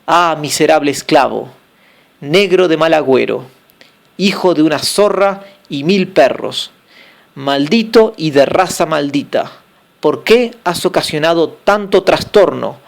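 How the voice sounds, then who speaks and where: A man's voice: on the high side, lively intonation, unhurried, gravelly. A man voicing an enraged merchant master. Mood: furious. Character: wealthy merchant master, furious and scornful.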